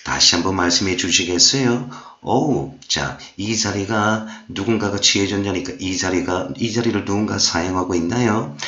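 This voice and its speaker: A male English instructor giving a recorded online lecture, explaining words one by one and reading English examples slowly. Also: low voice, bright, forceful tone. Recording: roomy, dull lo-fi recording.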